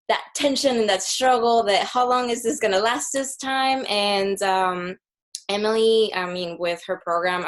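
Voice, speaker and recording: Woman panelist from Mexico, hesitant, lots of fillers, video call. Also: medium pitch. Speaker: panelist, program graduate. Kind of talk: casual chat on a video call.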